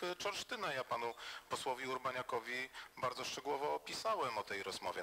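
A man gives testimony at an official hearing in a bright, forward voice. He sounds formal and guarded, pausing often and addressing the chair with stiff courtesy. Faint noise sits under the voice. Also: medium pitch. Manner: formal and defensive, repeats honorifics, hesitant fillers. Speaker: witness before an inquiry committee. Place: parliamentary hearing room.

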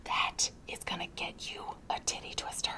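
A woman playing an overbearing, foul-mouthed mother in sketch comedy, hissing threats in a hushed voice. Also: normal speed, in a whisper, lightly acted. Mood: hushed menace.

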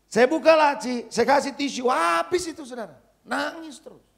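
A middle-aged man, a pastor preaching a sermon with animated storytelling. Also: extremely high pitch, fairly quick, creaky. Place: church service.

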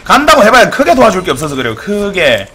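High, bright-voiced joking game commentator man. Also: fast talker. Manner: jokey and mock-dramatic, swinging from excited shouts to low mutters.

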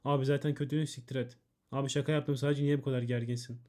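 A man's voice: medium pitch, level tone, fast, warm tone. A man streaming, reading out viewers' ban appeals and answering them in blunt, profane casual chat. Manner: blunt and swearing, reading chat messages aloud.

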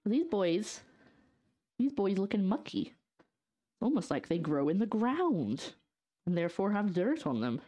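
This young woman from northeast Scotland talks to her stream while cooking at home, her mid-range, mellow voice swinging widely in pitch at a slightly slow pace with long pauses. Her light Scottish accent sounds partly English, a brace gives her a slight lisp, and she's chatty, jokey and sarcastic with chat.

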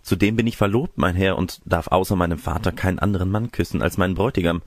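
A man's voice: low voice, fast, darkish tone, dry recording, studio quality. A man voicing a modest, polite teenage country girl who protests deferentially in a storybook reading. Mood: demure. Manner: demure, deferential.

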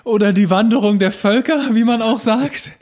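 Man putting on a nervous high-pitched schoolboy presenter. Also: a little mellow, close to an everyday voice. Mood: nervous, strained. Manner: halting, stilted recital. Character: nervous schoolboy stumbling through a class presentation. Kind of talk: comic school-report parody.

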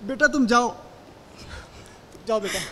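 A man's voice: very high-pitched, takes it slowly, fairly bright tone, exaggerated voice. A man playing an ailing, tender older father seeing his daughter off, in an improvised comedy sketch. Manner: tender, fussing.

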